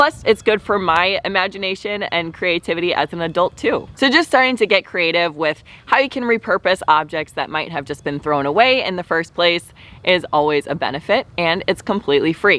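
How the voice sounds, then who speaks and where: A woman with a fairly low voice talks at a fairly quick pace with lively intonation and hardly any pauses. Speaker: lifestyle vlogger. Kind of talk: casual vlog talk. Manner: fast.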